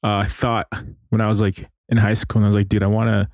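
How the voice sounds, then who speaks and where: A man's voice: on the low side, flat delivery, a little fast, a little mellow, no room sound, studio quality. A young man in a casual podcast chat, easygoing and slangy, laughing often. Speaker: podcast co-host.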